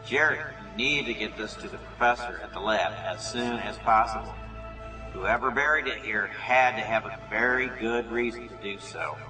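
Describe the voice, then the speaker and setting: A man's voice: lowish voice, normal speed. A man playing an urgent, serious dig-site colleague in an amateur radio drama, talking in a grave, folksy manner. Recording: echoey, distant, with loud music.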